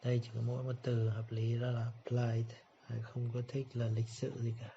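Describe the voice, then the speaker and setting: A man whose first language is Vietnamese, teaching an English pronunciation lesson. He reads the English examples slowly and explains them quickly in between, often checking in with a tag question. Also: mid-range voice, completely flat delivery, dark tone. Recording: dull lo-fi sound with faint room noise.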